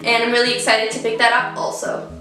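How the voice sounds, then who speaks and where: A woman's voice: fairly high pitch, completely flat delivery, fast talker. A teenage girl with an Italian accent, chatting bubbly and directly to her viewers about books she bought. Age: teens. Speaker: book vlogger. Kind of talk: casual book haul chat. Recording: echoey room, distant mic, faint music.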